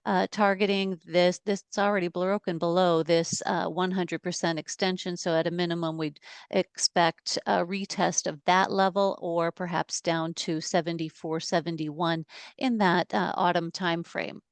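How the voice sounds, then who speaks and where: A woman walking through stock chart analysis in a measured, steady way with some fillers, speaking on a video call. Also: fairly low pitch, smooth, no room sound. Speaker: market analyst.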